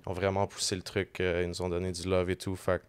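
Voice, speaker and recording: A man's voice: deep voice, monotone, fast talker, clear, resonant tone. A man with a Québécois French accent, a band member chatting on a podcast and mixing English slang into his French. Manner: switches freely between French and English slang. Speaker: band member and lead vocalist, guest. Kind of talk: casual podcast conversation. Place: podcast studio.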